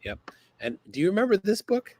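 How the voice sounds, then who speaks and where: A man hosting a livestream in a relaxed, halting way, his voice sitting a bit on the high side. He chuckles as he reads out chat messages. The sound is dry and close. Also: no echo. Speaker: livestream host. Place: outdoors by the water.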